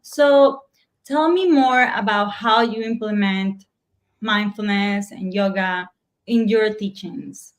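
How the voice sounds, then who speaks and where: A woman from the United States hosting an interview show, enthusiastic and encouraging toward her guest. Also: medium pitch. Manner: enthusiastic, encouraging, drawn-out prompts. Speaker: show host.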